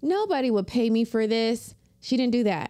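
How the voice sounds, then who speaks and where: A woman with an American accent speaks at a fairly high pitch in a dark, mellow tone. The recording is very clean, with a silent background. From United States, Nigerian parents. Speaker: podcast co-host. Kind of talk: casual chat. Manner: laughs often.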